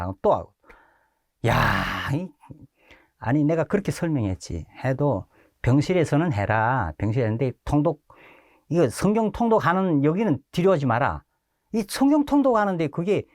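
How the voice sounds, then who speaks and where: A middle-aged pastor from Korea, telling his testimony in lively storytelling style and acting out quoted shouts. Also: a little high, dry recording, studio quality. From North Korea.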